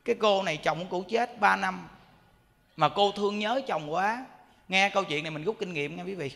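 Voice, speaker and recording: High-voiced Southern Vietnamese monk preaching. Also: male voice, brisk, creaky, a bit bright, long reverb tail. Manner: colloquial, addressing listeners directly. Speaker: Buddhist monk. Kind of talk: sermon with storytelling. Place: temple hall.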